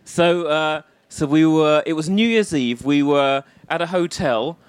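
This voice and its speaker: A man's voice: a little high, measured pace, clean tone, no room sound. A male comedian telling rambling, self-deprecating stories in a live interview, often laughing through them. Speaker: comedian guest. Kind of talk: live on-stage interview, storytelling.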